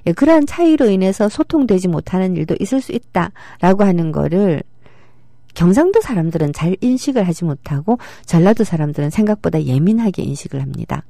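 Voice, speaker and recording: A woman's voice: on the low side, expressive, a little fast, creaky, mellow, no room sound, studio quality. A middle-aged woman giving a public lecture, explaining with rhetorical questions and acting out quoted speech.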